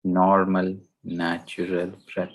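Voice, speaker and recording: A man guiding a meditation in a gentle, deliberate way, speaking in short phrases with long pauses between them. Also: low voice, monotone, rough recording. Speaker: meditation guide. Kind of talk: guided meditation instruction.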